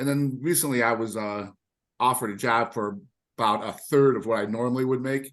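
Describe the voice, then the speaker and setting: Against a quiet background, a man with a Midwestern American accent talks at a fairly quick pace in a medium pitch with fairly even intonation. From Northeastern Ohio. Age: 60s. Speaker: audience member asking a question. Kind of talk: audience question. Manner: hesitant, many filler words.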